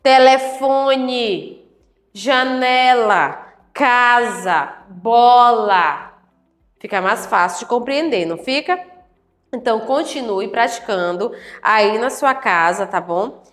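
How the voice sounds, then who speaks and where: A woman teacher giving a slow lesson to adult learners, sounding out syllables clearly and asking the students encouraging questions. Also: a little high, animated, a bit bright, echoey room.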